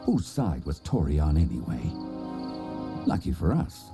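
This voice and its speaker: Hardboiled detective narrator, rock-bottom pitch, animated, world-weary and wry, audio drama with music behind. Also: male voice, a little slow, full character voice. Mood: wry, brooding. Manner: dramatic, wry, full of florid similes.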